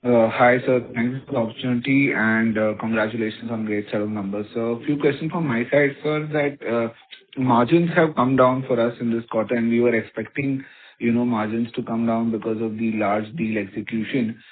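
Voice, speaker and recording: A man's voice: medium pitch, fairly even intonation, a little fast. An Indian-accented man, a financial analyst asking questions on an earnings call, politely and a little hesitantly. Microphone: phone. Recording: tinny, radio-like phone line.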